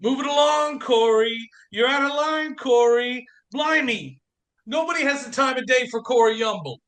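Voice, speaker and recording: A man's voice: very high-pitched, normal speed, fairly bright tone. An actor playing a volatile, self-pitying jilted man in a comic radio play, agitated and stammering. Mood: indignant. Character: volatile, desperate jilted man, ex-chorus performer turned hostage-taker.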